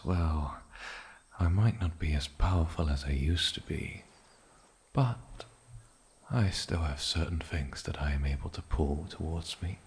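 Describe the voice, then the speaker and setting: A man playing an ancient, lonely and possessive island demon in a soft-spoken ASMR fantasy roleplay, breathy and often slipping into whispers, with a halting, sinisterly polite menace. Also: very deep voice, heavily acted. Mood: smug, pleased.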